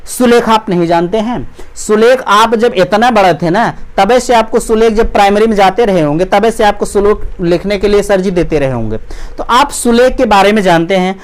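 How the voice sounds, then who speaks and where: A young man teaching an online exam-prep lecture. He asks rhetorical questions, repeats his points and reads list items out slowly. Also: high-pitched. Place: teaching room with a marker board.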